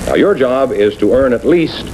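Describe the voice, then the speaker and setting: An American man works as announcer on a 1950s TV quiz broadcast, laying out rules and scores in a mid-range voice. The old recording has clear background noise. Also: mid-range voice, expressive, normal speed, a little mellow, rough recording. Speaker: quiz show announcer and co-host.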